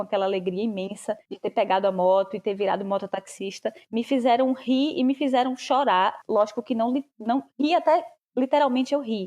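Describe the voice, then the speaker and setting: A woman speaks in a Bahian accent at a fairly high pitch with lively intonation. Her pace is moderate, and the sound is dry and close with no echo. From Bahia backlands, Brazil. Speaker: podcast host, book discussion. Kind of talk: casual book discussion. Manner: conversational, with fillers.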